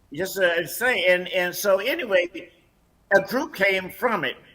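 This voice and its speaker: A man projects his voice loudly at a fairly slow pace, his pitch high and his tone bright and sharp. His intonation is lively. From Chicago, US Midwest. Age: 80s+. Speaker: retired singer and songwriter. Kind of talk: interview, telling life stories. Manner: halting, repeats words.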